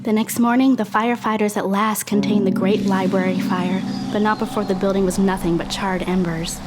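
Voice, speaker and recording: A woman's voice: mid-range voice, fairly even intonation, fairly quick, loud music behind the voice, close to an everyday voice. An actress playing a wistful young dead woman who narrates an audio drama from limbo. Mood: somber.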